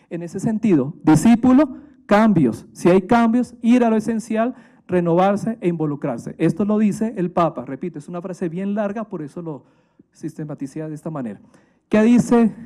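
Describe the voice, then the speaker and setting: Warm-voiced Colombian priest giving a talk. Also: male voice, sits high. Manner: emphatic, with rhetorical questions. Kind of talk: motivational talk to families and staff.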